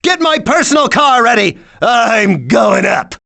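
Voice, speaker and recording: A woman's voice: a little high, big pitch swings, unhurried, vocal fry, a bit bright, raised voice, full character voice. A woman voicing a cranky old villain in a cartoon game, blustering with old-fashioned cussing. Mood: bossy, scornful. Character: cranky, irascible old villain spitting folksy insults. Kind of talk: cartoon video game voice acting.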